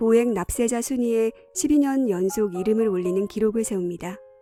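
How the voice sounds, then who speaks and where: Music plays behind a woman with a fairly high pitch and ordinary pitch variation. She speaks at a moderate pace, and the sound is dry and close with no echo. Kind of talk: audiobook reading.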